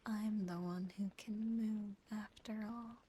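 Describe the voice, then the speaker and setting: A woman's voice: mid-range voice, fairly even intonation, slow, a little hiss or hum, natural voice. A woman voicing a seductive, possessive female demon in a whispered ASMR roleplay, close to the microphone, with a teasing, smug delivery. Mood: teasing, menacing. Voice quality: soft, breathy whisper. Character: seductive, possessive female sleep-paralysis demon admiring a human.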